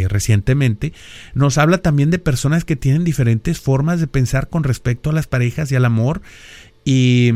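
Recorded dry, a warm, medium-pitched male voice belongs to a middle-aged podcast host from Mexico. Speaking with a northern Monterrey accent, he lectures as he explains ideas, leaning on rhetorical questions and the tag "¿verdad?".

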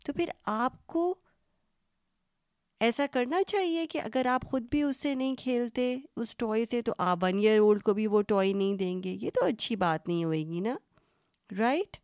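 A woman's voice: a little high, darkish tone, clean tone, no room sound, clean studio sound. A woman hosting a children's story podcast, telling stories and quizzing young listeners in a friendly, teacherly way that mixes Urdu and English.

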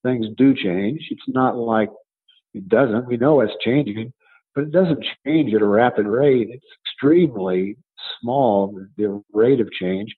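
A man in his seventies answering interview questions conversationally as a coach and author, explaining in a halting way and repeating words as he thinks. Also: mid-range voice, husky, phone-quality sound. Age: 70s.

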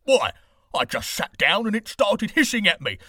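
A man voicing a ragged, bad-tempered male beggar who shouts and blusters. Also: high voice, sing-song, normal speed, no echo, studio quality, voice pushed up, exaggerated voice. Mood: defensive. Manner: loud and blustering.

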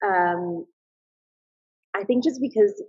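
A woman's voice: mid-range voice, takes it slowly, a little mellow, husky, no room sound. A woman in her thirties, a mother and business owner, speaking as a podcast guest in a thoughtful, earnest way, often restarting her sentences. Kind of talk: casual reflective interview talk. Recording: slightly dull, lo-fi sound.

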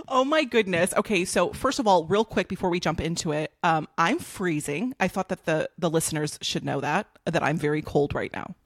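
A woman's voice: on the low side, animated, moderate pace, dry recording, studio quality. A woman co-hosting a podcast in a bubbly casual chat, laughing often. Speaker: podcast co-host.

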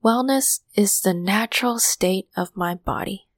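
A woman hosting a meditation podcast, guiding listeners gently through breathing and affirmations in a calming voice, with some cues softly whispered. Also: medium pitch, unhurried, no room sound, studio quality. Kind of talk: guided meditation.

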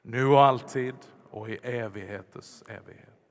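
Scanian preacher in a reverberant church. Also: male voice, medium pitch. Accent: Scanian Swedish. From Skåne, Sweden. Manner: swings between loud emphatic outbursts and hushed near-whispers. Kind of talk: Pentecost sermon.

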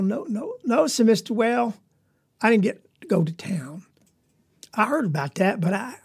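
A man telling the tale as an earnest poor country boy with a rural Southern US accent. He rambles along in a folksy drawl with a gravelly, husky grain to the voice. The tone stays sincere and simple. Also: high-pitched, a little mellow, exaggerated voice. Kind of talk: storytelling monologue.

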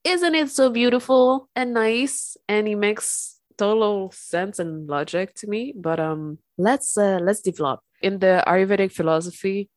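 A woman hosting a spiritual podcast, talking gently and calmly while congested from an illness. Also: mid-range voice, a little slow, few pauses, dry recording, clean studio sound. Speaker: podcast host. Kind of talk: calm spiritual podcast talk.

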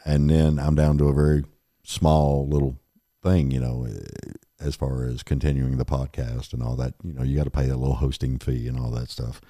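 A middle-aged man with a very deep voice hosting a podcast, chatting in a rambling, laid-back way. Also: flat delivery, normal speed, mellow, dry recording, studio quality. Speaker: podcast host. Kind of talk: casual chat.

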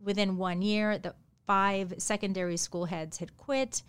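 A woman author from the New York City area, with Japanese as her first language, telling her story in an animated interview. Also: medium pitch, a little slow, clear, resonant tone. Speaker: author, podcast guest.

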